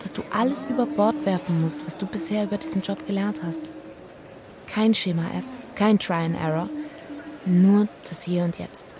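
A woman playing a calm, gravelly bearer of bad news. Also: medium pitch, lightly acted. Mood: reflective. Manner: measured, deliberate delivery. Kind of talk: radio drama acting with inner narration.

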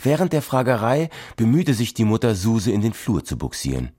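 A man narrates a children's story with lively, expressive reading. His voice sits somewhat low and swings widely in pitch. The sound is dry and close. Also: brisk, no echo.

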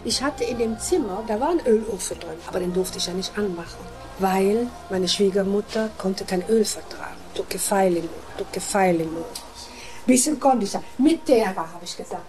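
A woman's voice: mid-range voice, normal speed, a little mellow, poor audio. An older woman from Germany, chatting through her memories in an interview, acting out the voices she quotes and tagging her sentences with little questions. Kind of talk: recounting memories in conversation.

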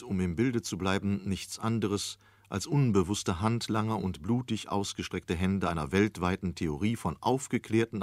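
Male feature narrator, lowish pitch, formal and deliberate scripted reading, dry studio. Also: no room sound.

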